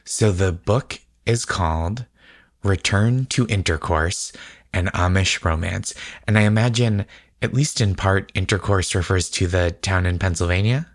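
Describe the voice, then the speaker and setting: Male co-host for a relaxed chat show: very deep, gravelly edge, encouraging delivery, close dry sound. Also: measured pace, dry recording. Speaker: podcast co-host.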